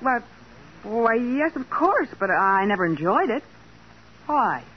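A fretful young american secretary, devoted and emotive, muffled 1940s radio drama with faint hiss. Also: female voice, on the high side, sing-song, slow. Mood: incredulous. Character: anxious, devoted young female detective's secretary. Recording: dull, noisy 1940s radio recording.

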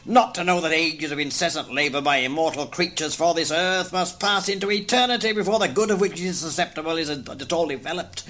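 A man's voice: high voice, a bit bright, pitched above the performer's own voice. A man voicing Marley's wailing, chained ghost. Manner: wailing, drawn-out, theatrical delivery. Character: Marley's ghost, a wailing, chained, remorseful old male spirit.

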